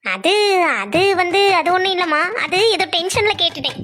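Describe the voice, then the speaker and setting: A woman's voice: extremely high pitch, big pitch swings, normal speed, sharp tone, exaggerated voice. A woman voicing a young office-working son in a cartoon family story, sulky and pleading. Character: young adult male son, an office worker, defensive and lovestruck.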